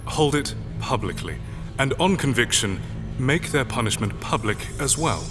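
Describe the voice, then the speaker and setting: An actor playing a smug, calculating senior official in a science fiction audio drama, formal and measured. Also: male voice, mid-range voice, animated, over music, close to an everyday voice. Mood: cold, scheming.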